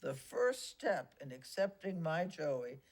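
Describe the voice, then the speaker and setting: A woman's voice: deep voice, very animated, takes it slowly, full character voice. A woman playing a bossy, teasing old grandmother ghost in a sitcom, blunt and nagging. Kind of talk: sitcom acting.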